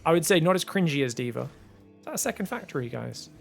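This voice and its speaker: High-pitched, creaky-voiced male esports commentator. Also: fairly quick, soft background music. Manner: animated, informal, addresses viewers as guys. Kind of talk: casual live game commentary.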